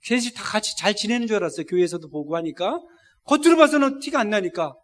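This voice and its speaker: A man's voice: sits high, lively intonation, quick pace. A middle-aged man preaching a sermon as a missionary, telling a story with feeling and speaking straight to the congregation. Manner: emotional storytelling, directly addressing the congregation. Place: church service.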